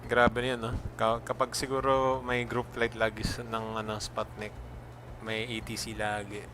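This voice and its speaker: On a flight sim stream, a Filipino man makes pilot radio calls and chats in a relaxed manner, mixing Filipino and English. He speaks at normal speed in a fairly low voice, with a little hiss or hum audible.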